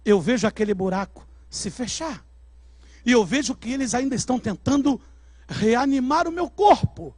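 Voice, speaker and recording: Brazilian male preacher, very high voice, dramatic testimony with shouted peaks, dry sound. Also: lively intonation, normal speed, husky, no room sound. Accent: Brazilian Portuguese. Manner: dramatic storytelling, shouting at climaxes. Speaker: pastor. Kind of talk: sermon testimony. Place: church service.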